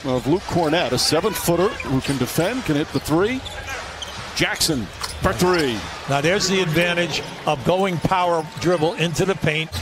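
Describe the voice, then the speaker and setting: The speaker talks at a moderate pace with ordinary pitch variation, over noticeable background noise, in a dry sound with no echo. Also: man, high pitch for a man. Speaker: basketball TV color commentator. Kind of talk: live basketball play-by-play and color commentary. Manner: excitable bursts of exclamation on big plays; analytical, explaining strategy between plays. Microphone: headset.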